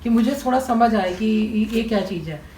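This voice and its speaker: A woman's voice: a little high, moderate pace, warm tone, a little hiss or hum. A woman interviewing a writer, encouraging him with frequent short affirmations and finishing his sentences. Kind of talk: conversational interview. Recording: roomy echo with faint ambience.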